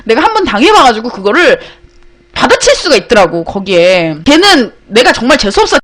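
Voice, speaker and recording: High, fast-talking young woman storyteller. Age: young adult. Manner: animated, swears freely, breaks into loud bursts. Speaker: internet broadcaster. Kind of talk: casual storytelling to viewers.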